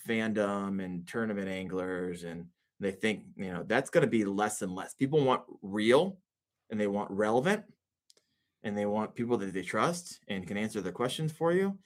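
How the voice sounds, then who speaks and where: A man's voice: fairly low pitch, lively intonation, moderate pace. A man who is a guest on a casual podcast, talking with confident, emphatic opinions.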